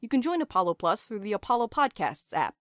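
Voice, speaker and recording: A woman's voice: mid-range voice, sing-song, fast, fairly bright tone, no room sound, clean studio sound. A woman announcer giving a scripted promotional read for a podcast.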